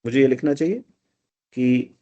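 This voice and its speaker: Mixing Hindi and English, a man runs a live online math lecture, walking through each step and often making sure his students follow. He speaks at normal speed with a mellow, medium-pitched voice, and the sound is lo-fi.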